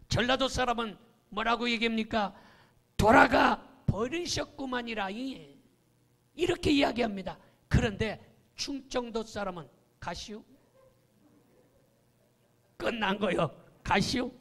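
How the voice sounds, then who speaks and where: High-voiced gravelly male preacher. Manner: emphatic preaching, acts out quoted voices. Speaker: pastor. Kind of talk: sermon.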